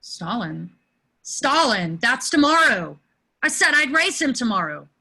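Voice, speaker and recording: A woman's voice: on the high side, very animated, a little slow, bright, forceful tone, husky, full character voice, poor audio. A woman playing a hapless, self-deprecating teenage boy in an amateur script read over a video call. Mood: excited, alarmed.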